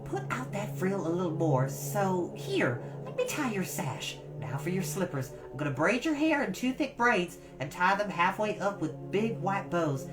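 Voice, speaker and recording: A woman voicing a bossy, admiring teenage girl in a storybook, brisk and chatty as she fusses. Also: on the low side, sing-song. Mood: bossy, fussing. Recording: distant mic with music behind.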